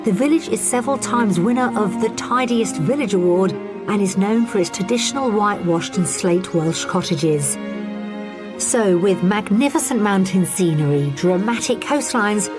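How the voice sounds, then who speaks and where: A woman presenter giving measured, informative scripted voice-over for a television property programme. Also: mid-range voice. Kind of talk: scripted TV narration. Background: background music.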